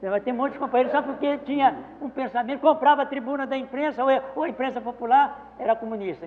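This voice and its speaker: Against noticeable background noise, a man speaks at a very fast pace with an extremely high pitch and ordinary pitch variation. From Brazil, northern Minas Gerais. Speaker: peasant movement leader. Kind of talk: testimony. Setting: seminar with audience.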